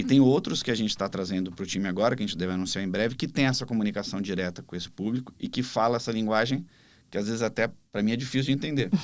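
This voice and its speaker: A man with a Brazilian accent at a very fast pace, on a very clean recording with a silent background. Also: medium pitch for a man, ordinary pitch variation. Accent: fully Brazilian Portuguese. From Azores, Portugal (Ponta Delgada), then Brazil. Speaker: media executive. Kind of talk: podcast interview.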